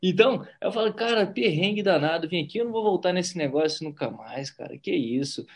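A man from Brazil leads a relaxed conversation, animated and chatty and full of casual tags. His voice sits a little high for a man. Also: fairly quick. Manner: animated, chatty, frequent "né?" and slang. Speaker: interviewer.

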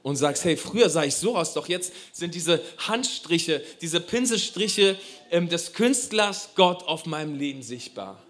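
A man with a fairly high voice delivers a sermon to a congregation. He preaches animatedly and talks directly to his listeners, often asking them questions. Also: lively intonation, unhurried, a bit bright. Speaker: pastor.

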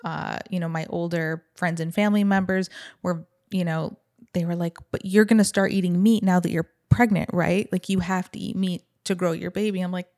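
Chatty young woman with a lowish voice. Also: steady tone, moderate pace, a little mellow. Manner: chatty, informal, quotes others' remarks. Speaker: podcast host. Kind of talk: casual conversational interview.

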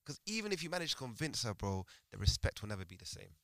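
Fast, bright man in slangy chat. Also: on the low side, sing-song, creaky, no echo. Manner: slangy, bro-heavy street talk. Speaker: podcast participant. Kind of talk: animated casual banter and storytelling.

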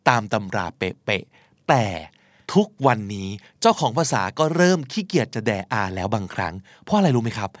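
Male talk host, animated delivery, casual and slangy, dry studio sound. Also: medium pitch, dry recording. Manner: lively, conversational, slangy, with emphatic asides. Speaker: podcast host teaching English.

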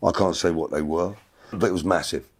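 A middle-aged man, his voice sitting a little low. He tells his story in a loose, rambling way, often stumbling over and repeating words. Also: fairly quick, slightly rough. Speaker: guest. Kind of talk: casual storytelling.

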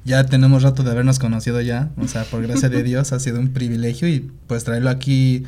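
A man's voice: mid-range voice, level tone, fairly quick, warm tone. A man hosting a casual conversational interview, recorded with some background noise. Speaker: interview host.

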